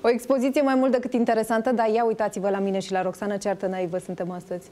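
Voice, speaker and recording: A woman's voice: mid-range voice, flat delivery, dark tone, soft background music. A woman hosting a morning TV show from the studio, bubbly and playful.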